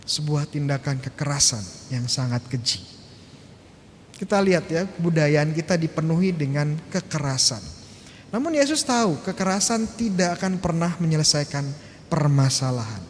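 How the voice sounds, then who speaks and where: Priest man preaching, kinda high voice, chatty, long church echo. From Indonesia. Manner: conversational, asks and answers his own questions; acts out short exchanges with parishioners. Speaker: Catholic priest. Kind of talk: sermon. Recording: church reverb, faint rumble.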